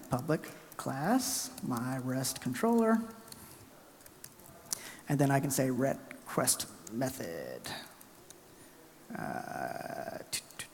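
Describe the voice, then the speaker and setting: Tech speaker, male, from the US South: quick, chatty, a bit high-pitched, reverb from the conference hall. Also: a little hiss or hum. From Alabama, US South. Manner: fast, energetic, chatty presenter narrating his screen. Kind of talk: live tech conference talk with coding demo.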